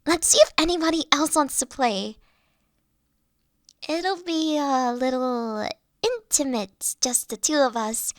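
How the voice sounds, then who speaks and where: A woman plays a big young female dragon who is a bashful, self-deprecating nerd. Her voice is on the high side and she speaks slowly, in a halting, earnest way. It is an intimate roleplay audio, recorded very dry and close. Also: no room sound. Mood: eager, flustered. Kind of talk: intimate one-sided character audio roleplay.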